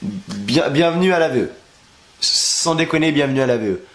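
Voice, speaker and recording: A man's voice: medium pitch, lively intonation, normal speed, a little hiss or hum. Sick young male vlogger, congested, sarcastic and crude, recorded in a roomy space. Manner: crude, exasperated, sarcastic ranting. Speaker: wrestling review youtuber. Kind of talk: ranting video review. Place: at home, in a bedroom. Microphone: camera facing him.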